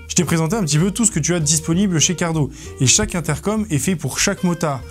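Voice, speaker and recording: Higher-voiced man, casual playful product presenter. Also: a little mellow. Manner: informal, playful, self-mocking. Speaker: presenter of a motorcycle gear video. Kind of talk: casual product review to camera.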